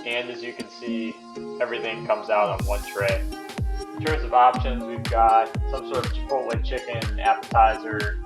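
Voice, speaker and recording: A man gives a casual travel vlog voice-over in a very even, mid-pitched voice. The sound is roomy, with loud instrumental music behind him. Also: moderate pace. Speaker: travel vlogger.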